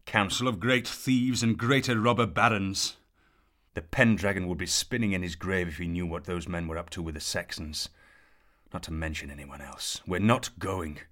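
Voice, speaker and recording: A man voicing a gruff, short-tempered old knight with a white moustache. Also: low voice, normal speed. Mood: angry. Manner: blustering, loud.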